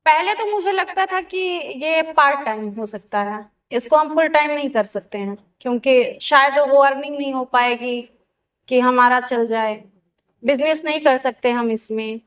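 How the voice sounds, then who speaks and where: Far from the mic, an actress with a high-sitting voice and a Bagheli-region Hindi accent talks about her work in a casual interview. She speaks at normal speed in a steady, earnest, reflective way.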